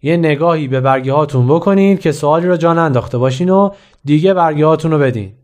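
A man's voice: on the high side, close to an everyday voice. A man voicing a stern, sarcastic male schoolteacher in a read-aloud story.

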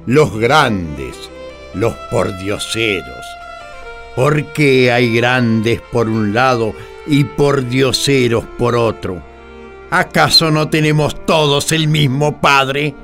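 A man acts out an indignant prophet in a religious radio play. His delivery is very slow and declamatory, with wide swings in pitch and biting sarcasm. Faint music sits behind him. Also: animated, creaky, fairly bright tone, exaggerated voice. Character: indignant prophet denouncing corrupt priests at a banquet.

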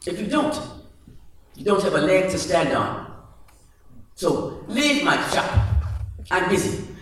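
A man's voice: high-pitched, very animated, takes it slowly, a bit bright, heavily acted. A man voicing a greedy, smug male jeweler who brushes people off. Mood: dismissive. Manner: haughty, brushing off. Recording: echoey room from far off, faint music.

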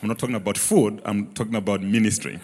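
A man's voice: fairly low pitch, fairly even intonation, fast talker, a little mellow, slightly rough. A young man from Malawi with a Malawian accent, sharing his story earnestly in an onstage church interview. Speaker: church member guest. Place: large church auditorium, on stage. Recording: reverberant church hall.

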